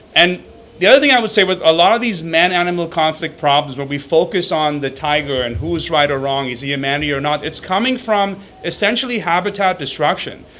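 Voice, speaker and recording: A man's high-pitched voice with an American accent, lively intonation and a fairly quick pace over noticeable background noise. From India (Mumbai). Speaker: documentary filmmaker. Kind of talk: panel discussion. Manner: halting, repeats words.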